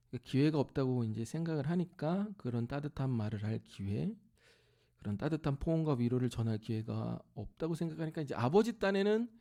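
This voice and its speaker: A man's voice: mid-range voice, gravelly. A middle-aged man preaching as a pastor, telling a personal family story and acting out voices, sometimes dropping to a near-whisper. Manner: acts out family members' voices in lively bursts, drops to near-whisper at tender moments. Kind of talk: sermon storytelling. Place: church sanctuary.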